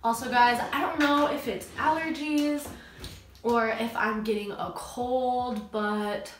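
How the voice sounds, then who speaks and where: A woman's voice: a little high, fairly even intonation, takes it slowly, roomy sound, a little hiss or hum. A young woman with a stuffy, nasal voice, chatting her way through a makeup tutorial from home. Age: young adult. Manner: chatty, gushing, self-teasing. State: stuffy nose. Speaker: beauty vlogger. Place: small home room, indoors. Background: dogs playing.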